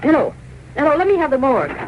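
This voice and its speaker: A brisk, sassy newspaper secretary. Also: female voice, high-pitched, sing-song. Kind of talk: 1930s radio drama acting. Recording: hissy, muffled 1930s radio broadcast.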